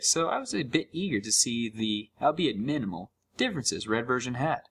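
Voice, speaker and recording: Man playing a wry gamer with lively, swinging intonation. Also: mid-range voice, exaggerated voice. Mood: nostalgic, mildly eager. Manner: wry, conversational storytelling. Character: sarcastic, curious young male gamer recounting a creepy found game. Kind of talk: first-person horror story narration.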